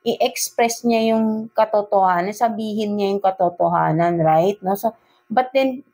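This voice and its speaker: A woman's voice: medium pitch, measured pace, mellow. A woman with a Filipino accent giving a casual tarot love reading, switching between Tagalog and English and tagging nearly every phrase with a questioning "no?". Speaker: tarot reader.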